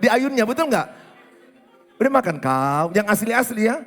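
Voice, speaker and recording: A man's voice: high-pitched, big pitch swings, moderate pace. A middle-aged man preaching in church with a Batak accent, asking the congregation questions and mimicking regional accents. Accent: Batak-inflected Indonesian. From Indonesia. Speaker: pastor. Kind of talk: sermon. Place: church hall.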